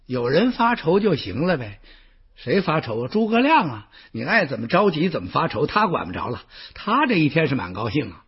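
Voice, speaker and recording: A male storyteller, telling a historical tale in a lively, colloquial way full of exclamations, with a husky voice. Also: fairly high pitch, highs cut off. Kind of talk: traditional Chinese storytelling.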